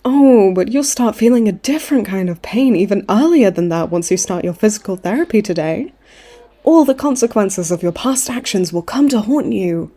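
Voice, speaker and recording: Smug, mellow-voiced flirty villainess played by a woman. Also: mid-range voice, expressive, normal speed, natural voice. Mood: teasing. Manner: teasing, mock-sweet, theatrical taunting. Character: smug flirtatious female supervillain in her late twenties, hospitalized. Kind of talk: comedic audio roleplay acting.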